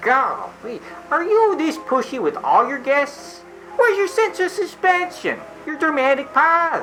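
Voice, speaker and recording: A squeaky, put-on character voice goes along at a fairly slow pace over clear background music. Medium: audio drama. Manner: brash, salesy.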